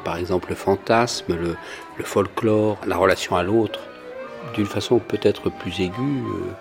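Man, low voice, documentary interviewer, long winding questions. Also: unhurried, vocal fry, over music.

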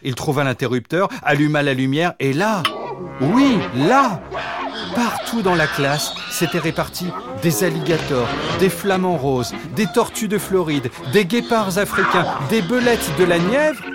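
A man narrating a children's story with a high, very animated voice that swoops up and down. He tells it playfully and expressively, over music. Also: unhurried.

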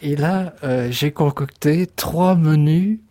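A male poet answers questions at a slow, unhurried pace, circling back and repeating words as he thinks. The sound is dry and close, with no room around him. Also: a little high, dark tone, dry recording. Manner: halting, thoughtful, repeats words. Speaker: guest poet. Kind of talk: radio interview.

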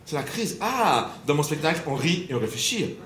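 A man's voice: on the high side, big pitch swings, normal speed, noisy background. A man performing a sardonic stand-up routine in punchy bursts, played back from a radio segment. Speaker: comedian doing a radio column.

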